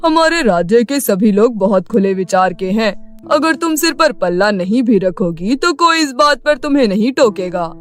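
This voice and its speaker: A woman voicing a gentle, open-minded young prince in a cartoon story. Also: fairly high pitch, animated, moderate pace, natural voice. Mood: reassuring. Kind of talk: Hindi cartoon story dubbing. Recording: music bed behind the voice.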